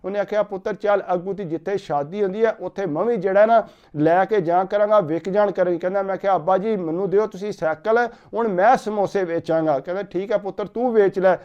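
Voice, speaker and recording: A man telling a folk story in a steady retelling manner, opening each line with "he said". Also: sits high, fast talker, hardly any pauses, clean tone, lo-fi sound.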